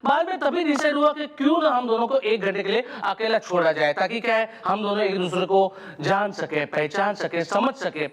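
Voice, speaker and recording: A man's voice: high-pitched, moderate pace, close to an everyday voice. An actor playing a whiny young man in his twenties who pleads a long comic complaint at a police station. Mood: pleading.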